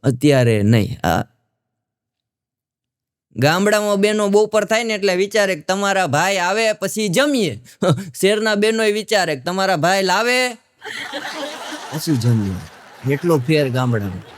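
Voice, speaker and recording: A man's voice: sits high, sing-song, a little slow, long pauses, no echo. A man with a Gujarati accent doing stand-up comedy for a live audience, telling jokes in a folksy storytelling manner and voicing the characters. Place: stage before a live audience.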